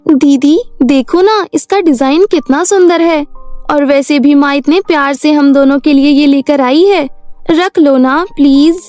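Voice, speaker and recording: A woman's voice: high voice, unhurried, no room sound, soft background music. A woman doing a sweet little fairy girl. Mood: pleading. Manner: soft, pleading. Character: sweet gentle fairy girl, younger sister.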